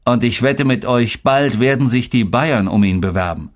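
A man's voice: medium pitch, moderate pace, natural voice. A man voicing a proud but strict father in an audiobook story. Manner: commanding.

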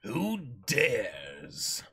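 A man's voice: fairly low pitch, wildly swooping pitch, drawn-out words, vocal fry, sharp tone, breathy edge, pitched below the performer's own voice, heavily acted. A man voicing a theatrical, commanding pirate captain.

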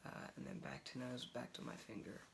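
A young man doing an ASMR doctor roleplay in a small home office, giving soft, partly whispered exam instructions with frequent hesitations into a laptop mic. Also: medium pitch, brisk, gravelly, background noise. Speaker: ASMR creator playing a doctor.

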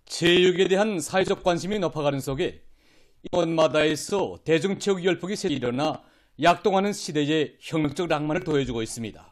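A man's voice: fairly high pitch, brisk. A man with a North Korean accent reading scripted television news as an anchor. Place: TV studio.

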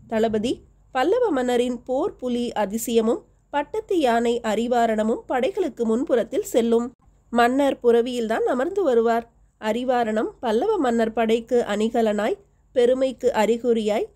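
A woman narrating a historical novel as an audiobook, reading every character's lines in her own steady voice. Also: on the high side.

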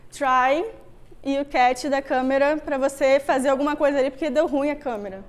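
A woman's voice: sits high, fairly even intonation, normal speed. A young woman with a Rio de Janeiro Brazilian accent giving an informal tech talk in a casual, conversational manner. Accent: Rio de Janeiro (carioca) Brazilian. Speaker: Android developer, meetup speaker. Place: meetup room with wooden floor, on stage before a screen.

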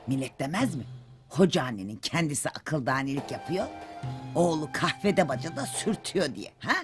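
A woman's voice: low voice, lively intonation, moderate pace, over music. An actress playing a sarcastic, scolding mother who teases her idle grown son. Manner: scolding, sarcastic, proverb-quoting. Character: sharp-tongued scolding mother, a hodja woman. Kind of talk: TV film acting.

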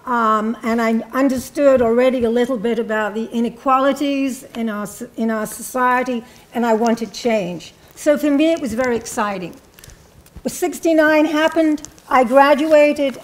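An older woman from England, a panelist, speaking in a reflective, measured way about her past, with frequent ums and restarts, in a university hall. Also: a little high. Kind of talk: personal recollection at a panel talk. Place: university hall with a seated audience.

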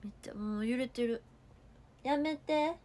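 Her voice is warm, a touch high, and slightly slow. She is a young idol livestreamer with a Kansai accent, casually reading viewers' comments aloud and thanking them while coughing and nursing a sore throat.

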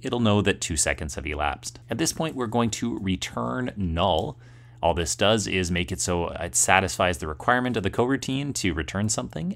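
A man's voice: fairly low pitch, gravelly, a bit bright. A man presenting a tutorial in scripted screencast narration, explaining step by step.

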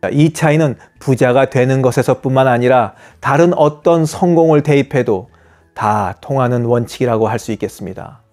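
A man's voice: medium pitch, darkish tone, soft background music. Earnest man narrating advice. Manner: measured, earnest advice-giving delivery. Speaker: channel host. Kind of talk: scripted voice-over narration.

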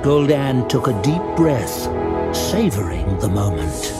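A man narrating a scripted fantasy audio drama in a measured, theatrical, suspenseful way. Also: mid-range voice, sing-song, over loud music.

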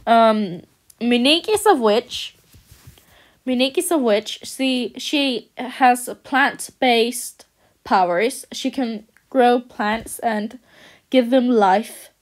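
Halting, slow-talking Danish-born young woman. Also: on the high side. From Denmark. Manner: halting, many fillers and restarts. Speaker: channel host. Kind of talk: unscripted casual talk over a speed paint.

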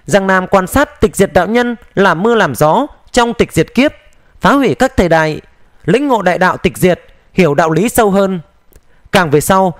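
A man narrating a fantasy novel as an audiobook in a smooth, steady storytelling manner. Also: high-pitched, no echo, clean studio sound. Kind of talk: dramatized audiobook reading of a xianxia novel.

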